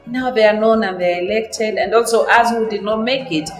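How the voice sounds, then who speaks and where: A woman's voice: medium pitch, moderate pace. A woman sharing a personal account in a documentary interview. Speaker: facilitator and former candidate. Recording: echoey room, clear music behind. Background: background music.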